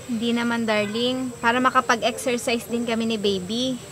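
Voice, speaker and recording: Woman playing a sweet doting wife, high voice. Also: steady tone, moderate pace, a crowd in the background, lightly acted. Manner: sweet and coaxing, calls him darling constantly. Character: sweet doting young wife, suddenly extra kind. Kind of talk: comedy skit acting. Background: background music.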